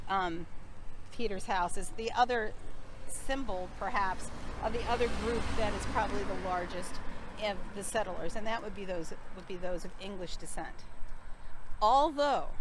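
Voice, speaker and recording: A woman's voice: medium pitch, slight background noise. An American woman leading a walking tour outdoors on a village street, explaining as she goes with asides and self-corrections. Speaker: tour guide.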